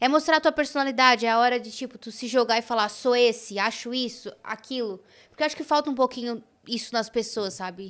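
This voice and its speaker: Against a quiet background, a woman talks at a fairly quick pace in a high pitch, with ordinary pitch variation and big swings in loudness. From Brazil. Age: 20s. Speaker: YouTuber and talk show host; YouTuber, talk show host. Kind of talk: casual interview chat. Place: studio. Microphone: studio mic.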